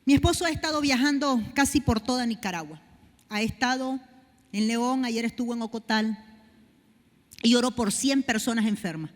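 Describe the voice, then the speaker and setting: A woman pastor preaching a sermon, building to loud, fervent declarations. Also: fairly high pitch, normal speed. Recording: long hall reverb.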